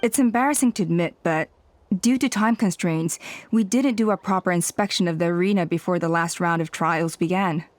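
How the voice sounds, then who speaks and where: A woman's voice: fairly low pitch, no room sound, close to an everyday voice. A woman as a formal, gracious tribal elder. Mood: apologetic. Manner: formal, measured, polite. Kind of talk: anime-style video game voice acting. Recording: music playing behind the voice.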